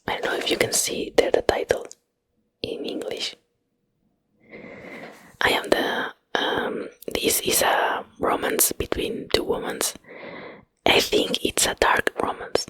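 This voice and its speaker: A woman with a Spanish accent and native Spanish rambles casually in a breathy ASMR whisper, hesitantly searching for English words, close to the microphone. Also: takes it slowly, long pauses, a bit bright, dry recording, rough recording. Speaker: ASMR video host.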